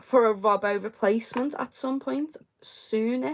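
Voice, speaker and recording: Speaking at a very slow pace, a woman with a Liverpool accent uses ordinary pitch variation. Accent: Liverpool (Scouse). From Liverpool, England. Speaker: football fan vlogger. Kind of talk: live stream chat reading comments. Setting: live stream.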